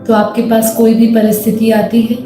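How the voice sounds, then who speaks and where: A woman with an Indian accent guides a meditation in a fairly high, mellow voice. She is calm and instructive as she teaches. Her words carry heavy echo over music. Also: normal speed. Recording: very echoey voice over faint music. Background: soft music.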